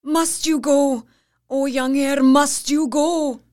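A woman acts out an anxious, superstitious old innkeeper's wife for an audio drama. Her voice is high and mellow, recorded dry and close, with a pleading, ominous manner. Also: steady tone, takes it slowly, no echo.

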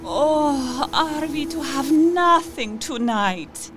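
Female vampire for radio drama: seductive, mocking, hungry, very high voice, drawn-out lines. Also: lively intonation, over music, exaggerated voice. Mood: hungry, pleading. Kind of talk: radio play acting.

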